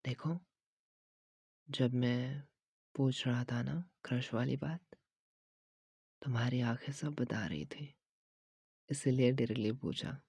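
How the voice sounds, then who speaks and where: Whispered role-play: man as a teasing young gym trainer, husky and slow, soft coaxing delivery. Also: fairly even intonation, dry recording. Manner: soft, coaxing, teasing with frequent low laughs; mixes Hindi and English phrases. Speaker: ASMR creator.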